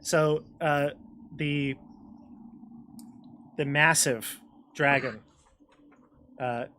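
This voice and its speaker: Casting: male game master, fairly high voice, halting improvised narration, faint noise behind. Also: steady tone, pushed and bright. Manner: hesitant, searching for words.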